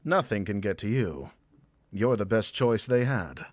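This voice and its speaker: A man's voice: lowish voice, lively intonation, a little slow, dry recording, clean studio sound. A male actor playing a talkative, easygoing travelling companion in a fantasy game. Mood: friendly, chatty.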